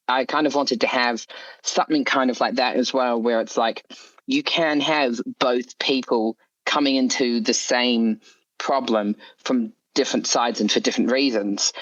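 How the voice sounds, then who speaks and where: A man's voice: medium pitch, a bit bright. Man, slightly dull lo-fi sound. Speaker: interview guest, story author. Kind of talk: casual interview chat.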